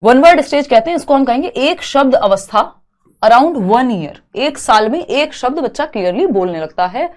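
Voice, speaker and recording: Higher-pitched woman teaching an online class. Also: lively intonation. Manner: explains step by step, repeating key terms slowly. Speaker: online exam-prep teacher. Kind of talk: live online class lecture.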